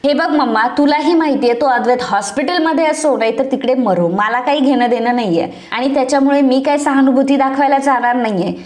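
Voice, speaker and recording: A callous, spoiled young man dismisses his mother, voiced by a woman narrator. The voice sits high. The room adds echo. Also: a little fast, hardly any pauses, a little mellow, close to an everyday voice. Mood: dismissive.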